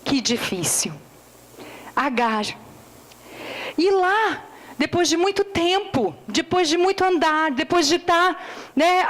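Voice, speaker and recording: High-voiced Brazilian woman pastor preaching slowly. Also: fairly bright tone, rough recording. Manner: emphatic, slow preaching, often drops low on "queridos"; calls for answers from the congregation. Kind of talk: sermon. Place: church service.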